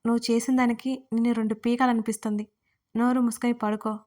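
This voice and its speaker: Woman voicing a stern young husband from a storybook, curt, gruff, flat delivery. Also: fairly high pitch, quick pace, close to an everyday voice.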